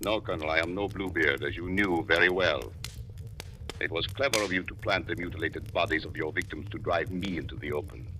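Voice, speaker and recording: An actor playing a French doctor who leads the underground, slow, controlled and quietly threatening, in 1940s radio drama style. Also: male voice, sits low, close to an everyday voice. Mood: calm. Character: French doctor leading the underground, calm, menacing. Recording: noisy old radio broadcast.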